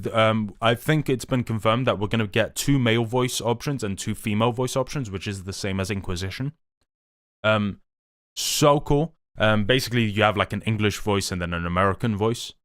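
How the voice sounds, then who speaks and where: A man's voice: lowish voice, fairly bright tone, no echo. Dry-sounding rambling young male streamer. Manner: rambling, enthusiastic, many restarts and fillers. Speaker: livestream host. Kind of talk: casual live-stream chat.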